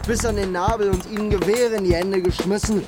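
A man's voice: high-pitched, steady tone, a little fast, over loud music, close to an everyday voice. A man playing a scornful mob agitator. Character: scornful male mob agitator, hostile and accusing. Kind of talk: stage-style radio play acting.

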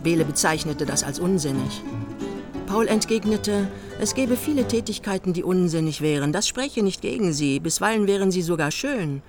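A woman's voice: fairly low pitch, lively intonation, moderate pace, a little mellow, soft background music. A woman playing a detached, matter-of-fact literary narrator in a radio drama, reading precisely.

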